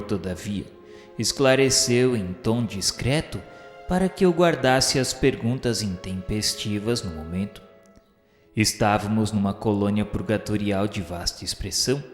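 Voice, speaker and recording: An earnest male spirit pupil narrates a dark journey for a radio drama. His delivery is slow, solemn and literary. The voice rings with heavy echo over music. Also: fairly low pitch. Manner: solemn, deliberate, formal. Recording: echoey long reverb with music behind.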